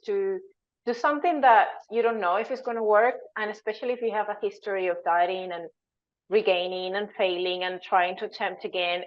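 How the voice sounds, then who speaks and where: A woman, from Venezuela, speaking as a dietitian guest. She explains earnestly at a mid-range pitch and often searches for her words. The audio is somewhat dull and lo-fi. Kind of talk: conversational interview answer.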